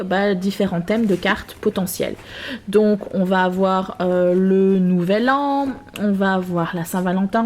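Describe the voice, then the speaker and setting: A woman's voice: medium pitch, darkish tone. A woman chatting casually to camera in her home craft room, rambling with many hesitations and a self-mocking tone. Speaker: craft vlogger. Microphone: built-in camera mic.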